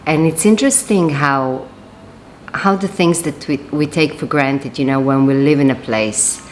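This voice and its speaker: A woman's voice: sits low, measured pace, a little hiss or hum. A woman in her forties from Serbia, chatting casually in a rambling vlog with lots of fillers and restarts. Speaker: vlogger.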